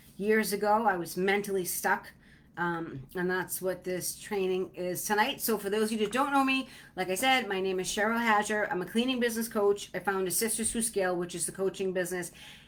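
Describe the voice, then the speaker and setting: In a Boston accent, a woman talks at a fairly quick pace in an animated tone, her medium pitch showing ordinary variation. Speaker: cleaning business coach. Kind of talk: live webinar training. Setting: livestream. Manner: chatty, animated.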